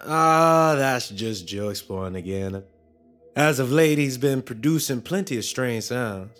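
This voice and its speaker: An actor playing a young enslaved apprentice who is blunt and distrustful. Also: male voice, mid-range voice, animated, a little slow, fairly bright tone, soft background music. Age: young adult. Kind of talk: audio drama.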